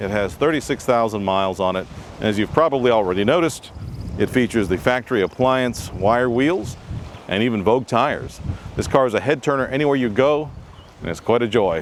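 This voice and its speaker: A man with an American accent talks at a fairly quick pace with lively intonation. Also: medium pitch for a man. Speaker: car dealer. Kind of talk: sales pitch. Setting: outdoors.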